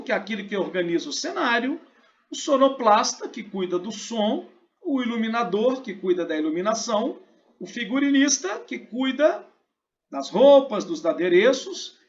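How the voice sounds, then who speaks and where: Lively Brazilian teacher explaining a lesson. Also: male voice, very high-pitched, muffled recording. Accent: Brazilian Portuguese. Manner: explanatory, asks and answers his own questions. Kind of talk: recorded online class.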